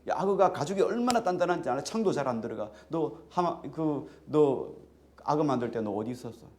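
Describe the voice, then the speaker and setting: A male pastor voicing God as a stern, mighty male voice that rebukes slowly and emphatically. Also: a little high, expressive, natural voice. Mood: rebuking. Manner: slow, emphatic, loud rebukes.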